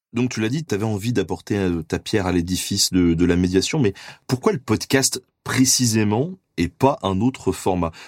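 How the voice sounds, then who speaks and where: The man talks with ordinary pitch variation and keeps a moderate pace. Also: very clean recording, silent background. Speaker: history podcast host. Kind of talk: casual interview.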